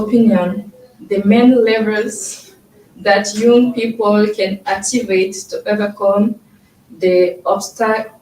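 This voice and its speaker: With noticeable background noise, the speaker talks at a very slow pace in a French accent. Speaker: audience member, agricultural worker. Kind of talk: audience question. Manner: halting.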